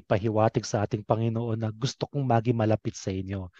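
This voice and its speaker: A man's voice: fairly low pitch, fairly even intonation, fast talker, warm tone, no echo, muffled recording. A man with a Filipino accent hosting a conversational interview, switching between two languages as he goes. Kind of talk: conversational interview hosting, mixing Tagalog and English.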